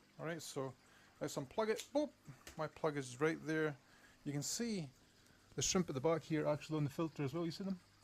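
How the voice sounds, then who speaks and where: A Scottish accent marks this man's fairly high voice. He moves at a fairly quick pace but stops for long, frequent pauses. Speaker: aquarium hobbyist youtuber. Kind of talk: tutorial. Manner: slurs words.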